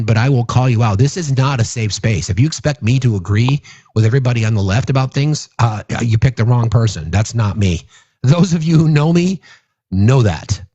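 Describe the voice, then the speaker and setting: A man's voice: medium pitch, warm tone, dry recording, lo-fi sound. A middle-aged man hosting a political commentary show, ranting bluntly and profanely with many restarts. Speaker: host.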